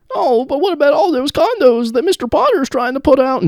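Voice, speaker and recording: This female-sounding voice is a put-on character voice, whiny and high in pitch, delivered at a fairly quick pace. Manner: whining, complaining.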